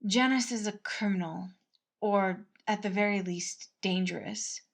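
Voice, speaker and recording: A proud young prince voiced by a woman talks with a gravelly creak. He is theatrical and sulky, torn by love and quick to get flustered, as in a storybook romance. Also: mid-range voice. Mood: frustrated, sulky. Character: lovelorn young prince, dramatic, proud and conflicted. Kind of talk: acted dialogue in fan-fiction audiobook.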